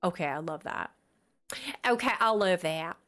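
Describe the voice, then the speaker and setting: Slow, chatty woman streaming a game. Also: lowish voice, lively intonation, fairly bright tone. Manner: chatty and giggly, reading out and answering chat. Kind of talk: casual live-stream chat while playing a game.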